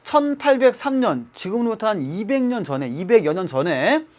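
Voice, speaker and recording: A man's voice: high-pitched, sing-song, moderate pace, a little mellow. A man teaching chemistry in a studio lecture for exam students, emphatic and repeating key terms with rhetorical questions. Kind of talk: televised exam-prep lecture. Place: broadcast studio.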